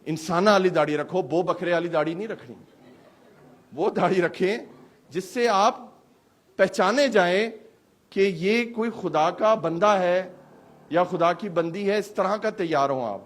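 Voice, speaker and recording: A male pastor preaches a live sermon in a church hall. He speaks in an animated way and keeps asking the congregation rhetorical questions. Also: high voice.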